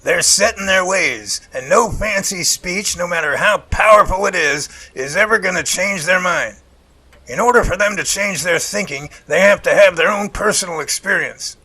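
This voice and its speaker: A man's voice: high-pitched, normal speed, pushed and bright, husky, full character voice. A man playing an earnest, resolute researcher, speaking in an emphatic, folksy, preachy way in an audio drama. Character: earnest, resolute Bigfoot researcher speechifying against hunters.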